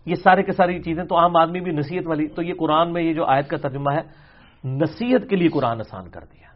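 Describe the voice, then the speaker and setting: Sarcastic high-voiced man. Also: highs cut off. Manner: animated and sarcastic, acting out quoted opponents in changed voices. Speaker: religious scholar answering audience questions. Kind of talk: lecture-style Q&A session.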